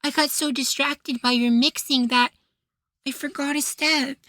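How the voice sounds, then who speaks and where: ASMR roleplay: young femboy househusband, played by a man, sweet and easily flustered; soft feminine tone, unhurried delivery, close dry sound. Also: very high voice, fairly even intonation, no room sound, exaggerated voice. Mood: flustered, upset. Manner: coaxing, gently praising, sweetly apologetic.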